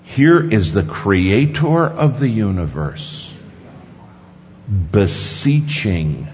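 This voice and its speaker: A man preaching a sermon in a large conference hall, emphatic, dropping to hushed low lines and rising to sudden high stresses, in a dull recording with long hall reverb. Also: sing-song, extremely slow, slight background noise.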